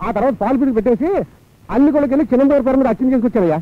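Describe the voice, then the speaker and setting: A talkative young servant who flatters nonstop in a high, rapid voice. The sound is thin and phone-like, with film music underneath. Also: male voice. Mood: flattering. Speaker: film hero. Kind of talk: Telugu film dialogue.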